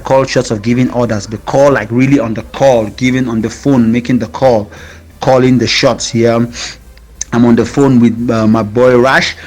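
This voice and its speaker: A man giving casual, excited commentary on a rap diss track, explaining line by line with lots of fillers and restarts. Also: medium pitch. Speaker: music reviewer.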